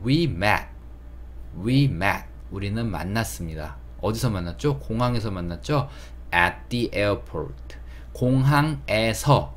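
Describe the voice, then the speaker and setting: A man teaching English phrases, patiently repeating each one slowly. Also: fairly low pitch, a little hiss or hum. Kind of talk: explaining English phrases to Korean learners.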